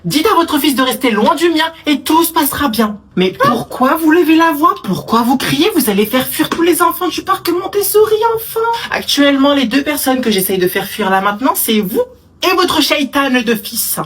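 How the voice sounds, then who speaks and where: A woman playing a soft-spoken, indulgent mother who gives in to her son with gentle sarcasm. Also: on the high side, lively intonation, brisk, slight background noise. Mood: indignant. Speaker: comedy sketch creator. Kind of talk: comedy sketch acting.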